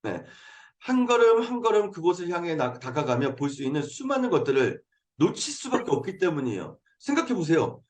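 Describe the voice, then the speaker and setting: A man giving an earnest motivational talk to a video-call group, coaxing listeners and often saying a quick affirming "yes" between points. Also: fairly high pitch, big pitch swings. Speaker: motivational speaker hosting a habit program. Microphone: video call mic.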